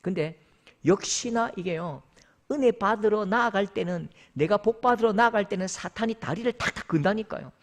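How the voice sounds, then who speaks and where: A man's voice: high-pitched, normal speed. A man preaching a sermon as pastor, emphatic, calling out scripture and acting out voices.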